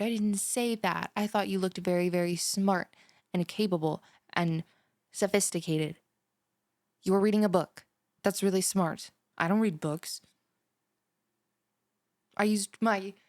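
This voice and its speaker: A woman's voice: mid-range voice, a little mellow, no room sound, clean studio sound, lightly acted. A young woman playing a bubbly, ditzy, easily offended student who gushes and rambles in a one-sided audio roleplay. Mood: offended, flustered. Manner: gushing, rambling, dramatic gasps and sighs.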